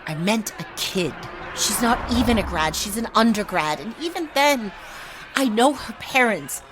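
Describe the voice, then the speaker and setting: A woman's voice: mid-range voice, animated, moderate pace, over music, natural voice. An actress playing a cautious, earnest woman professor in a golden-age style radio drama. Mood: worried. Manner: worried, earnest. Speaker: professor, the student's supervisor.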